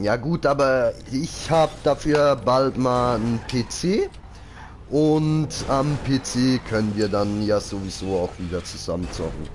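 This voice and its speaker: At a very slow pace, a man with a medium pitch and lively intonation talks over noticeable background noise. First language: Swiss German (speaking German). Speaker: gaming streamer. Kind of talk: live stream chat. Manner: animated.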